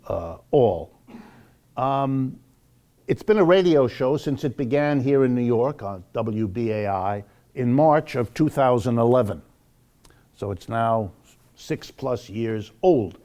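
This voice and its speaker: An older man speaks as the host of a public lecture. His voice sits at a medium pitch. He is deliberate and emphatic, stretching stressed words and letting asides fall away. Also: a little mellow. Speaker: host and lecturer of an economics program. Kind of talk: public lecture with announcements, spoken to a live audience.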